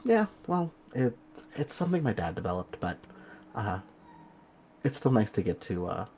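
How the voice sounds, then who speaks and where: A man's voice: lowish voice, big pitch swings, normal speed, darkish tone, slight background noise. A man voicing a kindly young woman who guides the departed in a tabletop game, speaking hesitantly and reassuringly. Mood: kind, casual.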